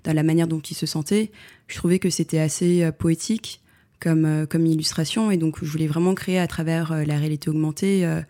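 A woman photographer answering interview questions in a reflective way, pausing often with fillers and restarting her sentences. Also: deep voice, fairly even intonation, warm tone. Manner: hesitant, many fillers and restarts.

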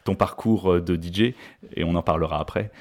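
Low-voiced male podcast host. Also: a little fast. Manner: rephrasing, summarizing the guest's words. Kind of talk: interview questions and recaps.

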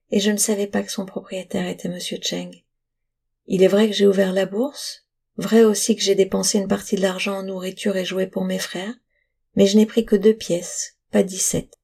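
A woman's voice: medium pitch, little pitch movement, moderate pace, vocal fry, dark tone, breathy edge. A woman voicing an earnest, stubborn poor boy who pleads and insists, in a storybook reading. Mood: pleading.

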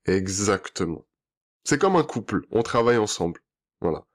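A relationship coach hosts a podcast, encouraging and affirming both his guest and his listeners through an interview and outro. His lowish voice is expressive and moves at a normal speed, and he fills the conversation with back-channel hums.

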